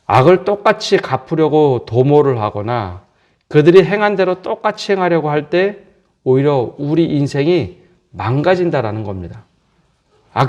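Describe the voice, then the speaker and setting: A man preaching as a pastor at an early morning prayer service, calm and earnest, often asking his listeners questions. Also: fairly high pitch, muffled recording.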